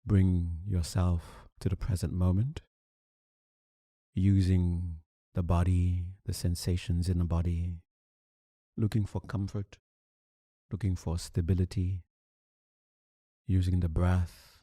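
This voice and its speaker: A man leading a guided meditation as a teacher, speaking calmly and soothingly with long, deliberate pauses. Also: low voice, no room sound, clean studio sound.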